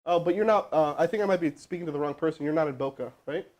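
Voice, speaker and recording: A man hosting a live stream as a sales trainer, energetic and casual, with chatty asides to his crew. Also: on the high side, racing. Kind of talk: hyped live-stream coaching and cold calling. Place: indoor room with crew present.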